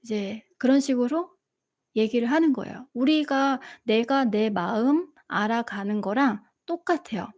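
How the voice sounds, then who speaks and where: Middle-aged woman host, gentle and warm-toned storyteller, slightly high pitch, live Q&A. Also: a little slow. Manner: gentle, storytelling, laughs often. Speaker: meditation channel host. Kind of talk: live Q&A talk.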